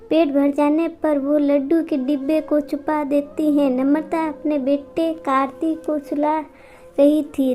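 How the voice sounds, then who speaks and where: Slow, high-voiced woman storyteller. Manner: calm, unhurried reading. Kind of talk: scripted story narration.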